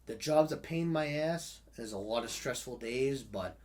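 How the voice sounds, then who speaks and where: A man's voice: mid-range voice, moderate pace. Stuffed-up young man, laughing, casual. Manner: relaxed, laughs often, swears casually. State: stuffed-up nose from a cold. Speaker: interview guest. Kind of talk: casual chat.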